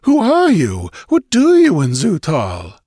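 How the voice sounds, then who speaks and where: A male narrator plays a dreamy man of a lost city in a fantasy audiobook. His voice sits high and drawls through florid, archaic phrases. He is sensuous and detached, quick to panic, and recorded close and dry. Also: huge pitch swings, darkish tone, slightly rough, dry recording, heavily acted. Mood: startled, fearful.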